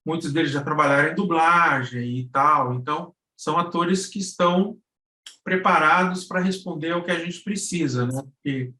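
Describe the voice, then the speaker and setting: Halting Brazilian man, roomy sound. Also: a little high, sharp tone. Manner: halting, searching for words. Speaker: guest lecturer on podcast production. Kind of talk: informal online lesson. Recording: roomy, echoing live-stream sound.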